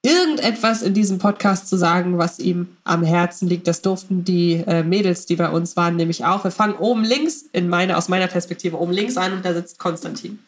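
A woman's voice: on the low side, brisk, hardly any pauses. Chatty woman hosting a casual podcast round. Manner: chatty, organizing, addresses guests in turn. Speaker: podcast host. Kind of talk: casual moderated group chat.

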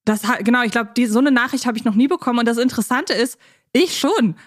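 A woman's voice: fairly high pitch, fast, no room sound, clean studio sound. A talkative woman co-hosting a podcast in a casual, teasing chat style. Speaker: podcast co-host.

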